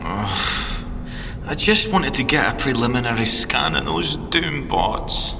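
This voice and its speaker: An actor playing an excitable, grumbly young male tech-genius agent with a Scottish accent and a wry, geeky manner in an audio drama. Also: medium pitch, a little slow, gravelly, background noise. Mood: glum, wry. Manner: expressive, wry, boyishly geeky. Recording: music under the voice.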